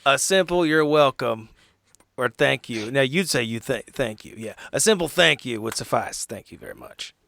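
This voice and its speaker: A man chatting casually as a tabletop game player, halting and wisecracking as he slips into character. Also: medium pitch, lively intonation, creaky, a bit bright, no room sound.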